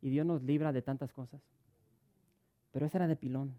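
A man's voice: medium pitch, steady tone, fairly quick, phone-quality sound. A middle-aged man preaching a sermon, telling stories with many stuttered restarts. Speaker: pastor.

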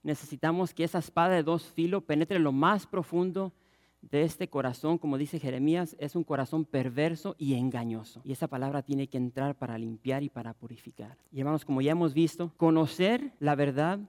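A man preaching a passionate sermon as pastor, reading scripture and acting out the crowd's shouts. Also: fairly high pitch, brisk.

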